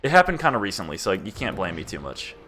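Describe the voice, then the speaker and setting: A man in his twenties giving casual, rambling commentary while he plays a game and chats with viewers, quick to laugh at himself. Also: low-pitched, sing-song, bright, forceful tone. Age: 20s. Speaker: streamer. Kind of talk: casual gameplay commentary chatting with chat.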